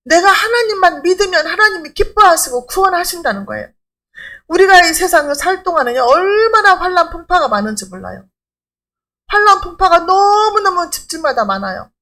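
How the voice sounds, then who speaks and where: A woman's voice: extremely high pitch, expressive, a little fast, bright, forceful tone. A middle-aged woman pastor preaching a sermon in an emphatic, conversational way, asking rhetorical questions.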